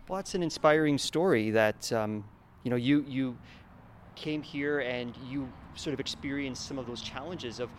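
A male radio host asks his guest questions in a relaxed, encouraging way, backing her up with small murmurs and restarting his sentences as he goes. A faint layer of noise sits under his voice. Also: mid-range voice, normal speed. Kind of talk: casual interview.

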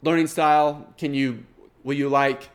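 A man's voice: fairly high pitch, little pitch movement, measured pace. A middle-aged man with a Kansas twang and a nasal voice, hosting a podcast in a rambling, self-deprecating casual monologue. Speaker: podcast host.

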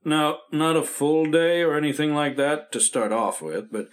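An actor playing a calm family doctor in a vintage radio drama, speaking in a reassuring, matter-of-fact way. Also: male voice, a little high, normal speed, close to an everyday voice. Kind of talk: 1950s radio drama acting.

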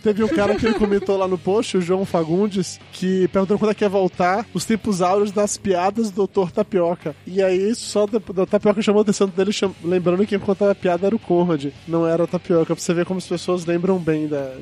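A man's voice: high-pitched, fairly even intonation, fast talker, hardly any pauses, mellow. A man with a Brazilian accent hosting a podcast in casual, joking chat, irreverent and free with swearing. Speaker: podcast host.

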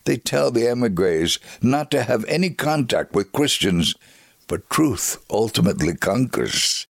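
A man performing a dramatic reading as an earnest, devout Jewish man recounting his life in a measured, solemn way. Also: mid-range voice, very animated, creaky, no room sound, studio quality, full character voice. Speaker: dramatic reader. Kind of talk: scripted dramatic reading of a memoir.

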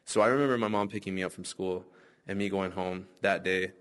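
A young man in his twenties looks back on his childhood in a reflective, unhurried manner. His voice sits somewhat low for a man. He tells it plainly, like an interview. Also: steady tone, fairly bright tone. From Minnesota, United States. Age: 20s. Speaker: interviewee telling his story. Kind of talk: personal recollection.

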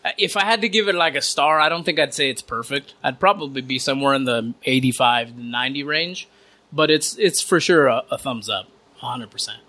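A man's voice: mid-range voice, brisk, bright, forceful tone. A man co-hosting a podcast in casual chat, chatty and self-deprecating. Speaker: podcast co-host.

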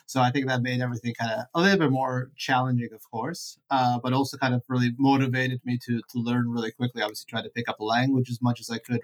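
A middle-aged man, born in Ukraine and raised in Canada, answering interview questions in a thoughtful, measured way. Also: mid-range voice. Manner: thoughtful, measured, self-correcting. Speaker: guest entrepreneur.

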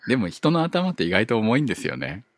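A man hosting a casual chat, relaxed and joking, with chuckles between his remarks. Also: mid-range voice, quick pace, no echo. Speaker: podcast host.

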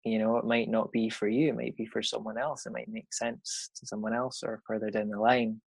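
A man with a Scottish accent, a card reader talking casually in an interview, relaxed and rambling with lots of fillers. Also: on the low side, a little fast, gravelly, slightly rough, no echo, poor audio. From Scotland. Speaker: intuitive card reader, guest.

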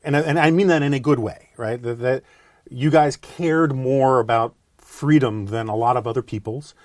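Man, podcast host, mid-pitched, easygoing talk, dry close mic. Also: moderate pace, no room sound. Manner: chatty, relaxed, lots of fillers. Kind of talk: casual podcast interview.

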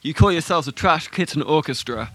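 A man interviewing a band, asking questions in a halting, self-correcting way and making dry jokes. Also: a little high, lively intonation, fairly bright tone, breathy edge, dry recording. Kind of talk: interview hosting.

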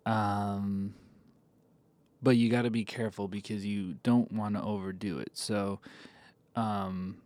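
A man recording a deadpan comedic voice memo into a phone, halting with lots of ums. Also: fairly low pitch, dry recording. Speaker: comic giving mock advice.

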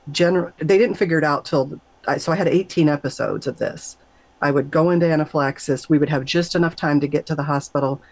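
A middle-aged woman with a darkish voice is heard on a low-quality recording with no echo. Interviewed as a show guest, she sincerely and casually tells of nearly dying, acting out other people's lines with high pitch jumps.

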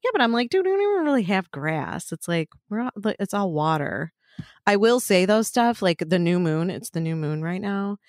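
A woman co-hosting a podcast in casual chat, rambling and profane, laughing often, a little hoarse from allergies. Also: mid-range voice, very animated, normal speed, no echo, clean studio sound. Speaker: podcast co-host.

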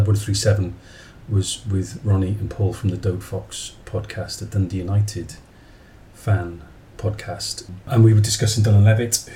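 A man's voice: fairly low pitch, dark tone, slight background noise, rough recording. A man in his forties hosting a podcast in a casual, rambling way, often correcting himself as he goes. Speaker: podcast host. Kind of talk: casual chat, podcast introduction.

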